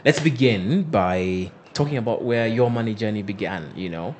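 A man's voice: on the low side, moderate pace, a little mellow, a little hiss or hum. A man from Kenya hosting an interview, asking curious, playful follow-up questions and probing for details. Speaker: podcast host. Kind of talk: conversational interview.

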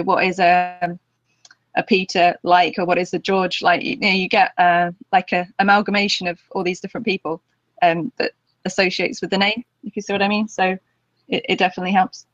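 A woman guest in an interview, explaining her methods in an even, matter-of-fact way. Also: mid-range voice, fairly quick, no echo. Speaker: guest, memory competitor. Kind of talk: casual interview. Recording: dry, dull lo-fi sound.

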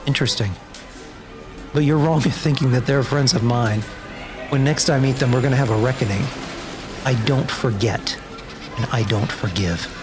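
A man playing a sardonic, grudge-bearing wasteland survivor in a dark-humor audio drama, dry, wry and guarded. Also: medium pitch, normal speed, pauses often, close to an everyday voice. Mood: guarded, brooding. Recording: music under the voice.

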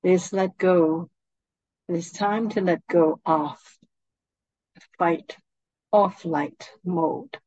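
A fairly low-voiced woman offers soothing, gentle, calm direction through a meditation, never rushing and keeping a very slow pace. It's a dry, slightly dull recording.

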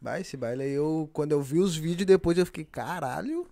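A man's voice: on the high side, fairly quick, creaky. Young gaúcho male guest, southern Brazilian accent, laid-back slangy chat. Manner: relaxed storytelling with slang. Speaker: funk MC guest. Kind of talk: casual chat.

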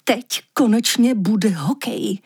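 A woman's voice: mid-range voice, expressive, a little mellow, slightly rough. Woman reading as a grumbling giant walrus. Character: grumpy dreamy male giant walrus creator.

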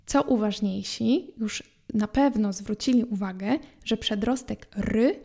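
A woman teaching French in a podcast lesson, explaining grammar clearly and spelling out letters slowly. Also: medium pitch, warm tone.

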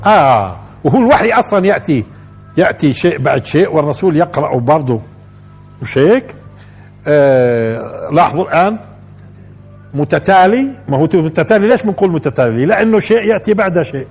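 A man's voice: a little high, expressive, a little fast, a little mellow, husky, faint music behind. A man with a Levantine Arabic accent gives a Quran commentary lesson, repeating phrases and putting questions to his listeners. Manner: explains by repeating phrases and asking the audience questions. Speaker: religious teacher.

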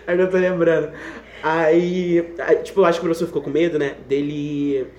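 A young Brazilian man with a Brazilian Portuguese accent, telling a funny story in casual chat, animated and laughing often, with restarts. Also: fairly high pitch, normal speed. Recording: echoey room.

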